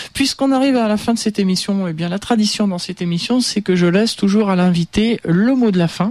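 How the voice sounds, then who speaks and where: Fairly quick male speech with ordinary pitch variation over noticeable background noise. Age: 30s. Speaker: radio host. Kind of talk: radio interview.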